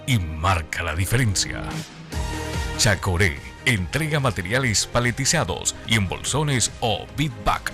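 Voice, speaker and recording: A male announcer with a punchy promotional read. His voice is fairly low but swings widely in pitch. Music plays under him. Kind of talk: commercial voice-over.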